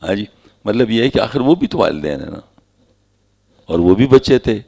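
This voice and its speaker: Low, gravelly man. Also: big pitch swings, dark tone. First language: Pashto. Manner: asks rhetorical questions and answers them; explains with homely examples. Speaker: speaker giving parenting advice. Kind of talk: explanatory talk.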